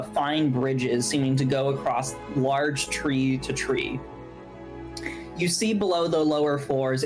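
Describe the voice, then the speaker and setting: A woman's voice: low-pitched, darkish tone, rough recording. A woman narrating a tabletop game as game master, describing scenes at length with many fillers.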